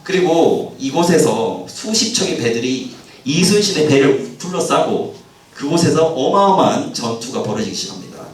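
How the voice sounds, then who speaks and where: Animated male lecturer in an echoey hall. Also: fairly high pitch, normal speed. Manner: animated, asks audience questions, acts out quoted lines. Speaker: history lecturer. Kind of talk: lively public history lecture. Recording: roomy hall sound, mic at a distance.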